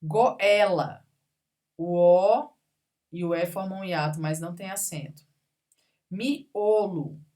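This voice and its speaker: A woman's voice: fairly low pitch, fairly even intonation, moderate pace, warm tone. A woman teaching a grammar lesson, patiently going through examples one word at a time and checking in with her students. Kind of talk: recorded classroom grammar lesson.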